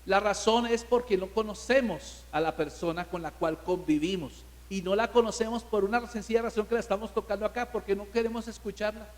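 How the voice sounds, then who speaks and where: A man with a notably high voice preaches to his congregation in a church hall. He is emphatic and keeps firing rhetorical questions at the listeners. His voice rings with a long hall reverb. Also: a little fast, hardly any pauses. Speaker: pastor. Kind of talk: sermon.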